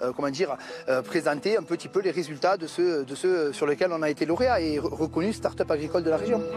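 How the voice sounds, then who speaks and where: Over music in the background, a man talks at a very fast pace with lively intonation and a fairly high pitch. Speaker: farmer and cabaret owner. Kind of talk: interview / heated dispute. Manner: loud; animated.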